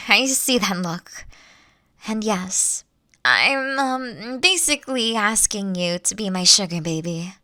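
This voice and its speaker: A woman playing a caring, affectionate boss in an intimate audio roleplay, coaxing and gently teasing, at times dropping to a near-whisper. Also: medium pitch, animated, slow, no echo, studio quality. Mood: tender, coaxing. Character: caring, doting older female boss courting her sweet employee.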